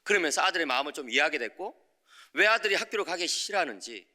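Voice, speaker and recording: A middle-aged man preaching a dawn sermon in a church, telling a personal story with lively acted-out voices and frequent checks with the congregation. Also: a little high, fast talker. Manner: animated, acts out quoted voices, frequent "예?" to the congregation. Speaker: preacher, visiting professor. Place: church sanctuary.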